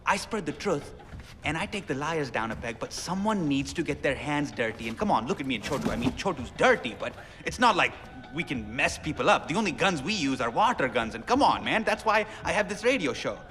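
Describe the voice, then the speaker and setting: An actor playing an excitable, chatty young rebel radio DJ in a video game, with a South Asian accent and theatrical, slangy, rambling talk. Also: male voice, fairly high pitch, a little fast. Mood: earnest, fired up. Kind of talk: game cutscene acting with radio patter. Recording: music behind, long reverb.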